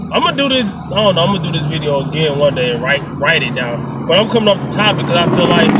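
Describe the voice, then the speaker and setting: A man at a very fast pace, dry sound with no echo, loud background noise behind him. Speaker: vlogger. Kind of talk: casual vlog chat. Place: car. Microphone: phone near.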